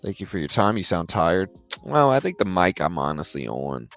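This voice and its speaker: Very deep, gravelly-voiced tired man. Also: normal speed, soft background music. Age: adult with a daughter. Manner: relaxed, rambling, filler-heavy explaining. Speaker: livestream trading host. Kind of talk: casual live market commentary, reading chat questions.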